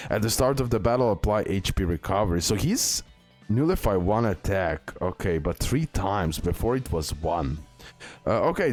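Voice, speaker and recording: A man's voice: lowish voice, darkish tone. A man hosting a gaming video with casual, unscripted commentary, often repeating himself and checking in with the viewer. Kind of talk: casual unscripted game tier-list commentary. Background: music.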